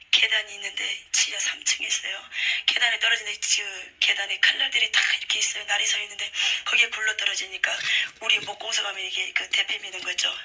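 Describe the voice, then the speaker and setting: A woman preacher giving a religious testimony in an earnest, emphatic way, much of it hushed and breathy. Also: medium pitch, poor audio. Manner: hushed, breathy whispering delivery.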